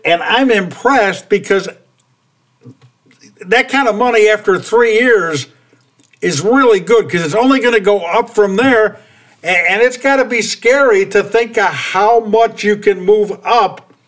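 A man with a notably high voice hosts a relaxed interview. He talks in a folksy, rambling way and trips over his words, repeating them as he goes. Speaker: podcast host. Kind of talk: casual interview chat.

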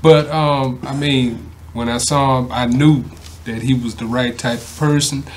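A man's voice: medium pitch, fairly even intonation, measured pace, slight background noise. A man hosting a talk show in casual, conversational interview style.

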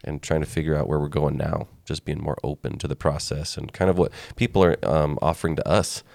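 Very deep, gravelly-voiced podcast co-host. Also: male voice, steady tone, brisk, a little mellow, no echo, studio quality. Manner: rambling, easygoing, with frequent fillers. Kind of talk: casual podcast chat.

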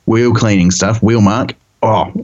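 A man's voice: lowish voice, steady tone, unhurried, darkish tone. A man with a New Zealand accent co-hosting a podcast, chatting in a laid-back, rambling way. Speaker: podcast co-host. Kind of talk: casual chat. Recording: dull lo-fi sound.

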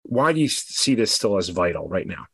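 A man's voice: sits low, very animated, brisk, husky. A man speaking as a podcast host, making announcements and interviewing.

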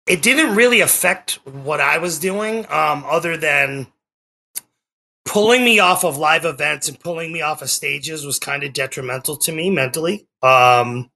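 A man in his forties with a Boston-area accent, speaking as a guest over a remote call. His voice is gravelly and bright, and he rambles with lots of ums and restarts. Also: a little high. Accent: Boston area, non-rhotic. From Massachusetts, US. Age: 40s. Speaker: guest, life coach and speaker. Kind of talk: casual interview chat.

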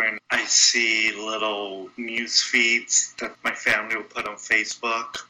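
A Brazilian-accented man with a lowish voice and a bright, forward tone. He talks candidly and earnestly as a guest, with a wry streak now and then. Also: rough recording. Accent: Brazilian Portuguese. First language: Portuguese. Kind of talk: casual interview talk.

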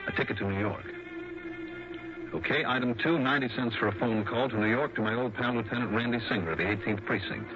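A man's voice: medium pitch, quick pace, lightly acted. An actor playing a laconic male insurance investigator who narrates his own case in a 1960s radio drama. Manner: dry, laconic first-person narration. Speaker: narrator and lead. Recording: dull lo-fi old radio broadcast with music.

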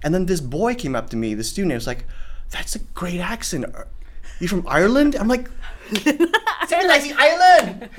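A young man from Singapore who speaks with a learned American accent, talking as an actor in an interview. He is animated and expressive, often restarting his phrases and breaking into the voices of people he quotes. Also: high-pitched, moderate pace, long pauses, a little hiss or hum. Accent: General American, learned. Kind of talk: casual interview.

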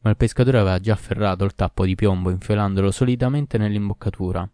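A man narrating a storybook tale in a steady, measured reading. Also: on the low side, clean tone, no echo, clean studio sound.

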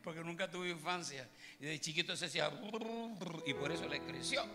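A Puerto Rican pastor with a brisk, high-leaning voice delivers a comic sermon, joking with and teasing his congregation. It's recorded live in a large church hall with music playing in the background.

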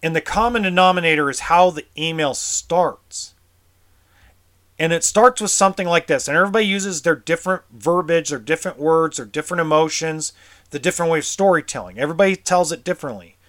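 A man's voice: a little high, a little fast, a bit bright. A tense man ranting in a vlog as an RV service technician, frustrated and heated, swearing and stammering over repeated words. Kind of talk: vlog rant.

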